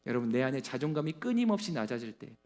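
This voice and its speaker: A male pastor preaching a sermon with fervor, swinging between loud appeals and soft, hushed lines. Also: medium pitch, very animated, fast.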